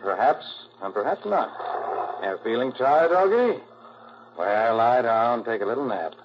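An actor playing a calm, shrewd, self-assured master detective in a 1940s radio drama, brisk and methodical. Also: male voice, mid-range voice, natural voice. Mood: coaxing, confident. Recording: noisy, muffled 1940s radio recording.

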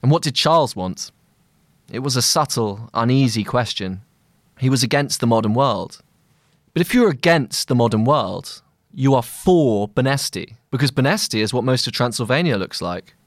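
Man, mid-pitched voice, scripted literary narration, measured and deliberate, very dry close recording. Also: expressive, no room sound. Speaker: journalist narrating own long-read article. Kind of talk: scripted narration of a literary long-read essay.

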